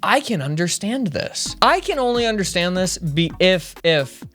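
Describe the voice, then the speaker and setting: A man's voice: sits high, big pitch swings, normal speed, a bit bright, faint music behind. A man in his thirties from Tennessee, co-hosting a podcast in a casual, rambling way, often breaking off mid-sentence. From Nashville, Tennessee. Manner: rambling, self-interrupting, amused. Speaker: podcast co-host. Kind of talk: casual chat.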